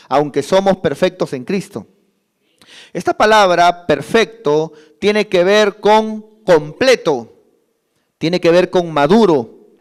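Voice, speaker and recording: A man's voice: high-pitched, clear, resonant tone. A man preaching a sermon as pastor, impassioned and acting out the excuses of church members.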